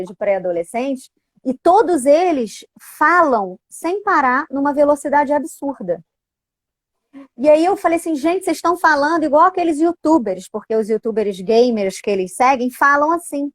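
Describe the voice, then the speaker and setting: A woman's voice: on the high side, normal speed, no echo, studio quality. A middle-aged woman, an educator and parent, talking casually and animatedly, often tagging her sentences with little questions. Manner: animated, frequent tag questions. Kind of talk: casual conversational talk.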